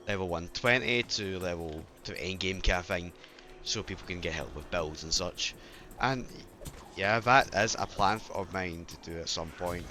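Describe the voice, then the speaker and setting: A man's voice: low voice, bright, forceful tone. A man hosting a gaming channel, chatting casually over gameplay with a sore, failing throat, rambling and apologetic, often correcting himself. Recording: game music playing behind.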